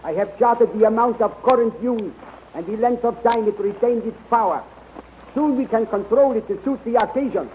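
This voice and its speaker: Careful scientist mentor, high voice, formal n commanding, dull noisy old radio sound. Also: male voice. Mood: assured. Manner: deliberate, formal, authoritative. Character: brisk, cautious male scientist mentoring a young hero. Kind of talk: 1930s radio serial acting.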